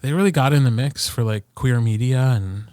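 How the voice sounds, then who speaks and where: A man chatting casually and reflectively as a podcast co-host, in a halting, conversational way. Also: medium pitch, darkish tone, no echo, clean studio sound. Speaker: podcast co-host and audiobook narrator.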